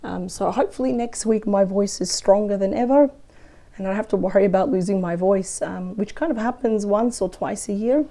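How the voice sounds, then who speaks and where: Hoarse woman with a croaky cold voice. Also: mid-range voice, fairly quick, dark tone. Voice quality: croaky, weak voice. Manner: chatty, thinks aloud over the cards. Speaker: tarot reader. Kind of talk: weekly tarot reading. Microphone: close microphone.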